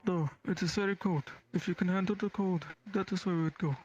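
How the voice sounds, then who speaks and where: Guy doing a helpful gallant fantasy character, raspy and higher pitched, talks really fast. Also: steady tone, lo-fi sound. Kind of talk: improvised virtual-world roleplay.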